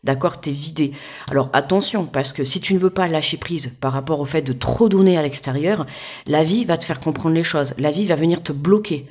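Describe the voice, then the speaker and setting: A woman's voice: sits low, fairly quick, a little mellow. Woman, casual card reader, informal and talkative, addresses the listener directly and keeps checking in. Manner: chatty, keeps checking in with "d'accord?" and "tu vois". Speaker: tarot guidance reader. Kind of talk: casual card reading to the viewer. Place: home desk.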